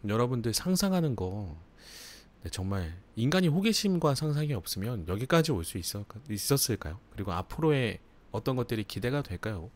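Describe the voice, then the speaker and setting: A man's voice: mid-range voice, big pitch swings, a little fast. A man hosting a live book review, chatting casually with frequent laughs and fillers. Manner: chatty, laughs often, filler-heavy asides. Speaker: book channel host.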